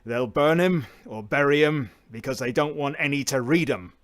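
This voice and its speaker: A man voicing a gruff old boat chief, raised pitch. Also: moderate pace, no echo, close to an everyday voice. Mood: weary, bitter.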